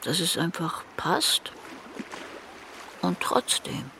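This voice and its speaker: A woman playing a laconic, caring female shark in a radio play, with a low, gravelly voice and a casual deadpan manner. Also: extremely slow, full character voice. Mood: deadpan, sympathetic. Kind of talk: naturalistic radio play dialogue. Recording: faint watery background noise, boat-like ambience. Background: lapping water and sea ambience.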